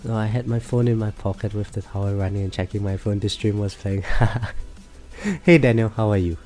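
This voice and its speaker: A man with a cold sounds nasal from his stuffed-up nose as he chats casually on a live game stream. His fairly low voice is brisk and relaxed, but he hesitates a lot, using many fillers and correcting himself. Faint music plays in the background.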